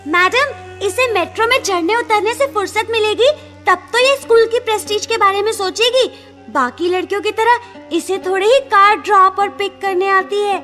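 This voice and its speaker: An actress playing a snide, snobbish tattletale at a school in a Hindi radio play. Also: female voice, very high-pitched, moderate pace, pushed and bright, soft background music. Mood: sneering. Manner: sneering.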